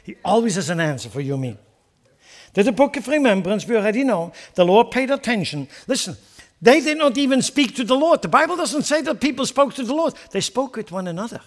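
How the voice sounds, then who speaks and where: A man's voice: extremely high pitch, big pitch swings, fairly quick. A man preaching a sermon as a pastor, impassioned and repeating words as he builds emphasis.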